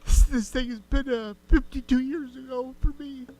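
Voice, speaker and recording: A man in his seventies, an honored veteran, giving halting, emotional thanks at a city council meeting. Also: very high voice, steady tone, mellow. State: choked up with emotion.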